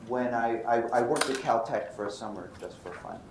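An older man from Brooklyn giving a university physics lecture, animated and often checking in with his students. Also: medium pitch, normal speed. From Brooklyn, New York. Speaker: physics professor. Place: lecture hall. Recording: roomy lecture hall, faint noise.

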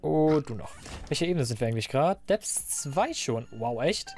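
A man doing casual, rambling commentary while playing a game, a little hoarse and stuffy, into a desk microphone. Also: fairly high pitch, animated, moderate pace, a little mellow, faint music behind. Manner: chatty, rambling, self-mocking. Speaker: let's player.

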